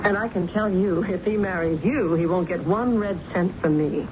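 A woman's voice: on the low side, normal speed, close to an everyday voice. An actress playing a well-to-do, controlling middle-aged mother with polished diction in a radio drama. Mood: cold, firm. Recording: muffled, noisy old radio broadcast.

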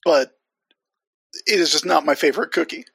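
Give me an animated man with a raspy, gravelly voice, joking casually as a podcast co-host. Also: on the high side, normal speed, no room sound. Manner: animated, jokey, swears casually. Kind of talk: casual chat.

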